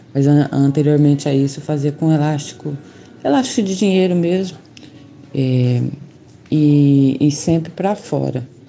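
With long, frequent pauses and a fairly slow pace, a woman speaks in a very deep, low voice with a dark, mellow tone and ordinary pitch variation. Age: 40s. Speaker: person with Parkinson's, group member. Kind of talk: casual group chat. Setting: online group call.

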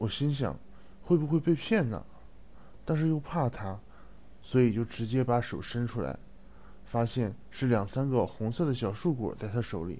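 Speaking at a fairly slow pace with long, frequent pauses, a man uses lively intonation, a medium pitch, and a dark, mellow tone. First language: Chinese (speaking Japanese). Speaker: Japanese learner in reading group. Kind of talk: reading aloud; casual discussion. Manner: halting.

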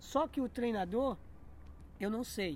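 The speaker is a man. His intonation is lively. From Brazil, interior of Bahia. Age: 40s. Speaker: marathon runner. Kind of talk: interview. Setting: outdoors.

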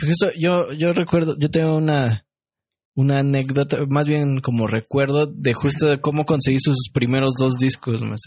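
Speaking at a moderate pace with a Mexican accent, a man uses fairly even intonation in a fairly high, somewhat breathy voice. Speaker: podcast co-host and musician.

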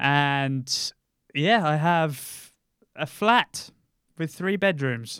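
On a very clean recording with a silent background, a man with a fairly high pitch speaks at a very slow pace with long, frequent pauses. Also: lively intonation. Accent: British. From UK. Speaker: podcast host. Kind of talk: casual chat.

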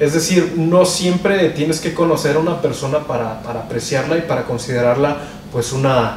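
Noticeable background noise and audible room echo surround a man with a Mexican accent whose fairly high pitch shows ordinary variation. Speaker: dating app advice co-host. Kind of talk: casual chat.

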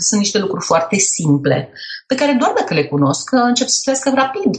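A woman speaks at a fairly quick pace with very wide pitch swings, over noticeable background noise. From Romania. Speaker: course instructor and entrepreneur. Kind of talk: interview. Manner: halting.

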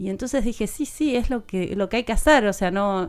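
A woman's fairly high voice, with music in the background. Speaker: human rights activist and artist, daughter of a dictatorship survivor. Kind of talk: interview.

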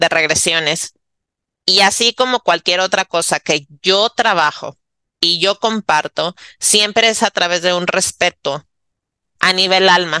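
A bright, sharp tone at a very slow pace, with very even loudness, ordinary pitch variation and a dry, close sound with no echo over a quiet background. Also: woman. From Mexico, Monterrey. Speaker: podcast host and regression therapist. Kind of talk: casual monologue.

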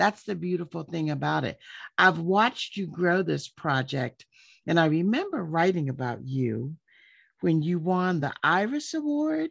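Here is a woman with an ordinary speaking voice. Her pitch is fairly low and her intonation is lively. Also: fairly slow pace. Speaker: gardening podcast host. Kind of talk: casual interview intro and chat.

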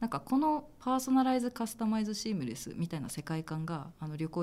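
A woman's dark, mellow voice with very wide pitch swings, on a very clean recording with a silent background. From Japan, Fukuoka. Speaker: startup executive. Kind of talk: business interview.

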